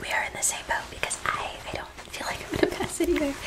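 Soft-spoken and whispering, the voice moves at a fairly quick pace over loud background noise. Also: woman. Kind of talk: scripted roleplay talk to viewer. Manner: soft ASMR whisper, secretive. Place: home room. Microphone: phone near.

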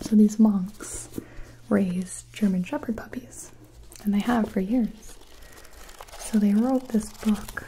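A woman speaks at a very slow pace with long, frequent pauses and fairly even intonation over light background noise. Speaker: book reviewer. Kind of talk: casual vlog chat. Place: home room.

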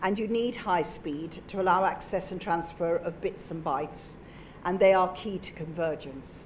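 In an unremarkable speaking voice, a woman with fairly low pitch and ordinary pitch variation talks at a moderate pace over light background noise. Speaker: roundtable moderator. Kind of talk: panel moderation. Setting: conference room. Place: meeting room.

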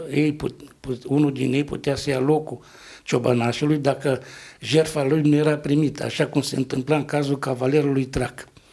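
His intonation monotone and flat, a man speaks in a fairly high pitch. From Romania, Oltenia (Gorj/Mehedinți); Romania. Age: 60s. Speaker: poet. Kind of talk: speech at literary celebration. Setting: hall with live audience. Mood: relaxed, smiling. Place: hall. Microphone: handheld.

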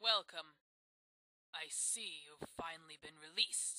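A cartoonish character voice speaks at a fairly slow pace with a middle pitch.

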